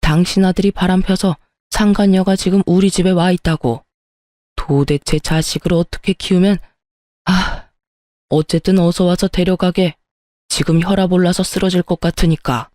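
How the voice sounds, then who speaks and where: A woman voicing a gruff older father who angrily demands that his son-in-law be taken away. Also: on the low side, fairly even intonation, moderate pace, warm tone, no echo, clean studio sound, lightly acted. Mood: exasperated. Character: older man, angry father defending his daughter.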